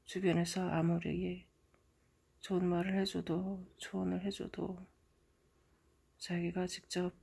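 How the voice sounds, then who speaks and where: A middle-aged woman talks through a story as the host of her own channel. Her voice sits low and sounds breathy and husky. Her delivery is dramatic, sinking to hushed murmurs and then rising into sudden loud bursts. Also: little pitch movement, slow, long pauses. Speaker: channel host interpreting a dream. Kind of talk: casual storytelling monologue.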